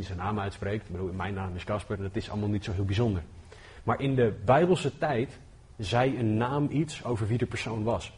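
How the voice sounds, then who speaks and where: A man delivers a sermon in an earnest, conversational way, his voice a little husky. His pitch sits in the middle, and he reads scripture aloud with growing force. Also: darkish tone. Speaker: preacher.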